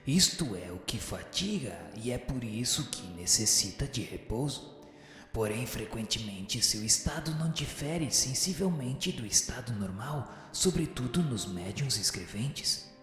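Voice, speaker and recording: A man voicing a wise, patient spirit teacher in a radio drama, answering in a formal, didactic, measured way. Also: mid-range voice, animated, fairly bright tone. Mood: solemn, instructive. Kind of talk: scripted radio drama reading of a spiritual text. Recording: very echoey hall-like reverb with music behind.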